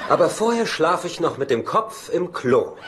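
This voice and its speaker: Cocky teasing brother for a sitcom: dry wit, animated intonation, very noisy track. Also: male voice, fairly high pitch, moderate pace. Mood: smug, mocking. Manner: dry, smug. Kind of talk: German-dubbed sitcom acting.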